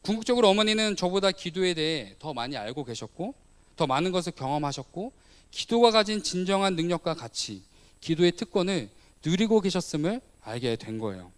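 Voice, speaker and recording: Animated young pastor telling a story. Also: male voice, sits high, brisk. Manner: storytelling, acting out quoted lines. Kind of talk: sermon with a personal story.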